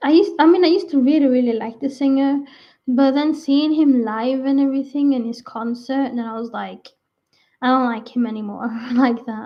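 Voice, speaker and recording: Talking at a fairly quick pace, a woman with a Swedish accent uses a high pitch and ordinary pitch variation. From Sweden and England. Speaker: livestreamer. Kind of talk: casual livestream chat. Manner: rambling with hesitations.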